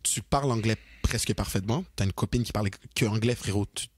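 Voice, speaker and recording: Husky low-voiced Québécois young man. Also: fast talker, dry recording, clean studio sound. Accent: Québécois French. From Quebec, Canada. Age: young adult. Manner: animated, slangy, switches into English. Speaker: podcast co-host. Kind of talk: casual chat.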